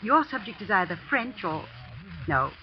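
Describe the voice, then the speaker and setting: A woman's voice: medium pitch, very animated, normal speed, slight background noise, natural voice. An actress playing an older woman, a school housekeeper who hesitantly confides gossip, in a 1940s radio drama. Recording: muffled 1940s radio broadcast.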